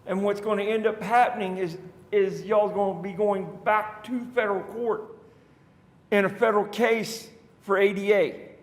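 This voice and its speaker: A man's voice: sits high, steady tone, normal speed. A man giving public comment at a council podium microphone, conversational and rambling with restarts. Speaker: citizen speaker at council meeting. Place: council chamber. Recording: reverberant council chamber.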